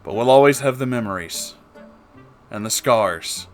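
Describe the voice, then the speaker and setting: A man's voice: medium pitch, measured pace. Wry, theatrical man over guitar music. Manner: theatrical, wry, self-deprecating, sweary. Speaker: host of a bad-story reading show. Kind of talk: casual rambling talk to viewers. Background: plucked guitar music.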